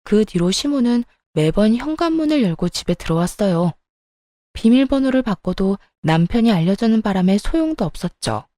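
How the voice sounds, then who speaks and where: A woman's voice: medium pitch, animated, moderate pace, dark tone, no room sound, studio quality. A woman narrating a first-person story as a young wife, with a plaintive, exasperated way of telling it.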